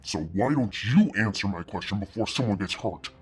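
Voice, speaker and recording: A man reading a story aloud and voicing a smug, cruel male devil who mocks and threatens in a husky, sneering drawl. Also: deep voice, lively intonation, normal speed, faint music behind, exaggerated voice. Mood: menacing. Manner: mocking drawl that turns to quiet threats.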